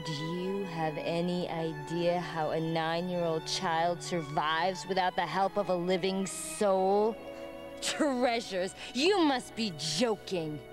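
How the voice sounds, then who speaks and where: An actress playing a scornful, wounded young gypsy psychic in a dramatic video game cutscene. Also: female voice, mid-range voice, natural voice. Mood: bitter, pained. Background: music.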